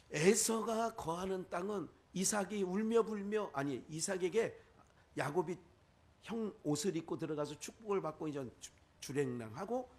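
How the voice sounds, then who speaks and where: Animated Korean pastor preaching. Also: male voice, high voice. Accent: Chungcheong Korean. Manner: lively preaching with rhetorical questions and quoted asides. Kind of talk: sermon.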